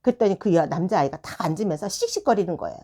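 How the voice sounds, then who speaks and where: A woman's voice: on the low side, rapid-fire, breathy edge. A woman who runs a tutoring room, telling a classroom story in casual advice talk and acting out the dialogue. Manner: animated, acts out classroom dialogue.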